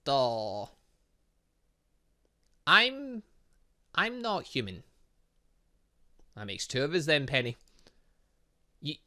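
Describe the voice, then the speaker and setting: This man is a gaming streamer giving let's-play commentary, wandering off on tangents and interrupting himself with little chuckles. He speaks with a fairly high, bright voice and a forceful tone.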